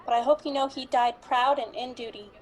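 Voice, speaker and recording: A woman acts an earnest police colleague in mourning, her voice high. She speaks haltingly and apologetically, as in a small radio play. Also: lightly acted. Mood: earnest, sorrowful. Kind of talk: amateur radio drama acting.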